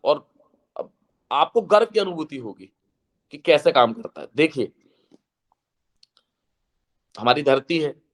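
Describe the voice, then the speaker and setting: A man speaks to a seated audience in an earnest, preaching tone. His voice is slightly hoarse, and he slows to a measured chant for recited verses. His pitch sits in an ordinary middle range. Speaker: guest speaker. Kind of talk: devotional lecture to a seated audience.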